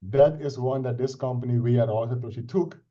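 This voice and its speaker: A man's voice: mid-range voice, a little fast, mellow. A middle-aged man from Suriname with a Dutch accent, a native Dutch speaker, casually introducing himself and explaining a project on a video call, earnest and full of restarts and "right?" checks. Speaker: IT consultant presenting a crypto project. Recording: dull lo-fi video call audio.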